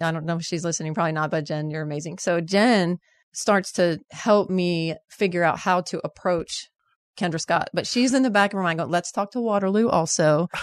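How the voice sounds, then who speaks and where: Against a quiet background, a woman speaks at a fairly quick pace in a normal speaking voice. Her pitch is fairly low with ordinary variation. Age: 40s. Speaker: high school basketball coach. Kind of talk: interview.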